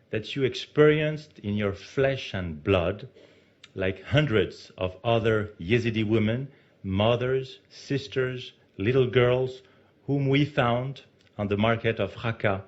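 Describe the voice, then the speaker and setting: A man with a French accent giving a formal ceremonial speech as a diplomat, emphatic and measured, with stressed pauses. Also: fairly low pitch. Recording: muffled lo-fi recording.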